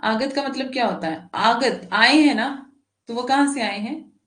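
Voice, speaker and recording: A woman's voice: a little high, measured pace, reverberant. A woman teaching an online exam-prep lesson, explaining patiently and checking often that her students follow. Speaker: Hindi teacher.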